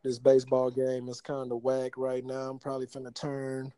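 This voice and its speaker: A man in his thirties co-hosting a casual podcast, joking and bantering in relaxed slang. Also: medium pitch, normal speed, clear, resonant tone, no echo. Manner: laid-back slangy banter with laughs. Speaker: podcast co-host. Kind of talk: casual chat.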